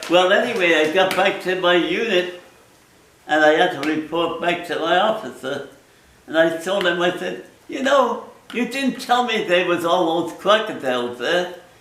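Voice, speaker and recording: A man's high-pitched voice at a moderate pace over noticeable background noise. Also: ordinary pitch variation. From Wales. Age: 80s+. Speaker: pattern maker. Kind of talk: interview answer.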